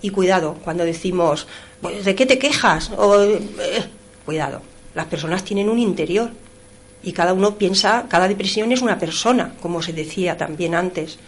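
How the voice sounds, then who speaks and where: A middle-aged woman talking on a radio show, expressive and emphatic, with frequent exclamations. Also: on the low side, moderate pace. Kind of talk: radio talk-show discussion. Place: radio studio.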